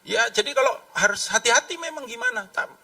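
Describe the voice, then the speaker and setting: A man preaching a lively, conversational sermon, acting out voices in his stories. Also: very high-pitched, quick pace, far from the mic. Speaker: pastor.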